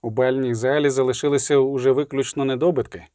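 A man reading an audiobook aloud in brisk, vivid action narration. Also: medium pitch, steady tone, warm tone, no room sound, clean studio sound. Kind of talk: scripted narration.

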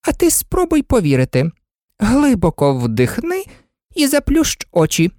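A woman's voice: wildly swooping pitch, unhurried, mellow, no room sound, clean studio sound. A woman voicing a fussy, scatterbrained elderly queen who talks in flustered exclamations. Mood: insistent. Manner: flustered, exclaiming, squeaky at times.

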